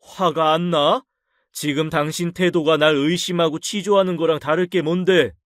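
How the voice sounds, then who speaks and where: An actor playing an arrogant, hot-tempered husband who talks with contempt and a threatening edge in a radio drama. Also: male voice, on the high side, fairly even intonation, normal speed, no room sound, clean studio sound, lightly acted. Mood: defensive.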